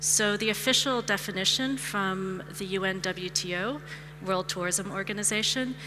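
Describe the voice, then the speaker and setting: There is audible room echo and noticeable background noise as a woman speaks. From United States. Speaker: tourism and marketing advisor. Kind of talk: conference talk.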